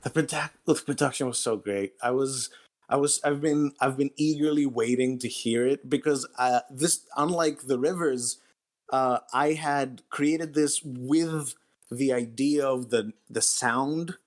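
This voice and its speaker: A man's voice: mid-range voice, a little slow. A man speaking as a guest author in a casual, conversational interview.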